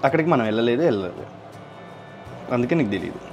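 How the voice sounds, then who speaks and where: A man's voice: mid-range voice, big pitch swings, fast, lo-fi sound, music in the background. A man cooking in his home kitchen, giving directions and teasing his wife as they chat. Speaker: husband doing the cooking.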